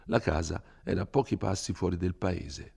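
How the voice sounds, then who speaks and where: A man reading a classic novel aloud as a measured, expressive storyteller. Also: deep voice, gravelly, slightly rough. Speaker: reader.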